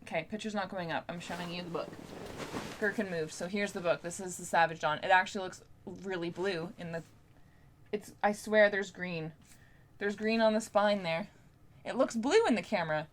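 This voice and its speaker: A woman's voice: lowish voice, moderate pace, slight background noise. A young woman chatting casually to camera as a book vlogger, in an informal, rambling, playfully self-deprecating way. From Canada.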